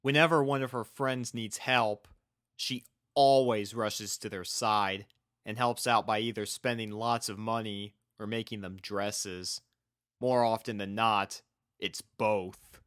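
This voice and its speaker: Male fan fiction narrator, unhurried pace, fairly low pitch, scripted first-person storytelling. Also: fairly even intonation, fairly bright tone, smooth, no echo, clean studio sound.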